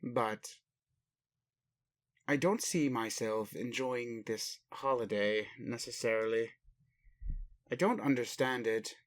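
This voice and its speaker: Man playing a slow-talking, doting alien dad. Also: mid-range voice, close to an everyday voice. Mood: gentle, bemused. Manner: slow, formal phrasing with pauses, addresses listener as human. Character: ancient gruff-but-doting alien father, formal and bemused. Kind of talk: roleplay audio addressed to the listener.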